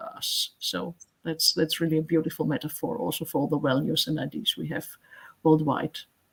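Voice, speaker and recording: A woman speaks at a fairly quick pace in a very deep, low pitch, with vocal fry and ordinary pitch variation. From Germany, Bavaria (Nuremberg). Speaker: member of a druid order. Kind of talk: interview conversation. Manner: halting, with frequent repetitions.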